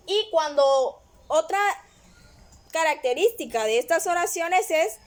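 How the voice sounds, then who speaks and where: A woman's voice: very high voice, lively intonation, unhurried. A woman teacher patiently explaining a grammar lesson, often checking in with the listener. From Guatemala. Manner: patient, repeats "¿verdad?" often.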